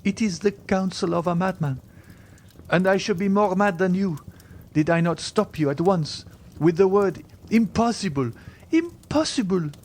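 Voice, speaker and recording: A man's voice: high-pitched, fairly even intonation, normal speed, darkish tone, pitched above the performer's own voice. A man voicing a devoted young woman, pleading and reproachful in an impassioned, melodramatic audiobook reading. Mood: fearful, resolute. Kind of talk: dramatized audiobook reading of a classic novel.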